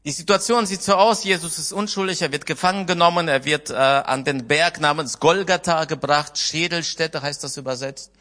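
A man's voice: a little high, moderate pace, hardly any pauses, pushed and bright, long reverb tail. A man preaching a sermon, earnestly retelling scripture and putting questions to his listeners. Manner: earnest, retells scripture with quoted dialogue, asks the congregation questions.

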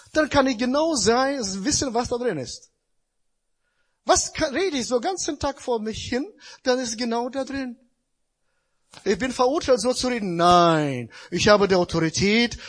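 A male preacher delivers a sermon with a husky, fairly high voice. His pitch swings widely as he addresses the congregation directly and stresses his points.

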